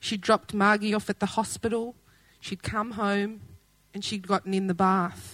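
With an Australian accent, a woman speaks at a medium pitch and a fairly slow pace. The recording is very clean, with a silent background. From Dandenong, Melbourne, Australia. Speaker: storyteller. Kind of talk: reading aloud.

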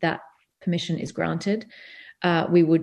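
Against a quiet background, a woman with an Australian accent speaks at a fairly low pitch with fairly even intonation. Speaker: human rights lawyer. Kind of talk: webinar talk.

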